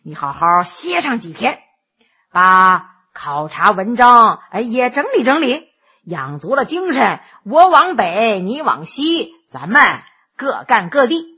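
Jovial scheming scholar, male, teasing and boastful, played by a woman narrator; husky, animated. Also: fairly high pitch, slow pace, highs cut off, voice pushed down, heavily acted. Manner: teasing, boastful, many interjections.

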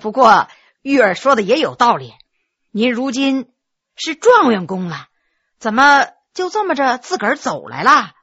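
A woman voicing a clever young male scholar who speaks in a lowered, earnest voice. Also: sing-song, normal speed, a bit bright, husky, no room sound, muffled recording, full character voice. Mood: coaxing.

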